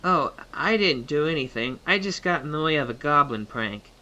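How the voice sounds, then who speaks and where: A man's voice: on the high side, lively intonation, normal speed, sharp tone, lo-fi sound. A man playing an earnest, polite young magic student, modest and deferential, in a comic fantasy audio drama.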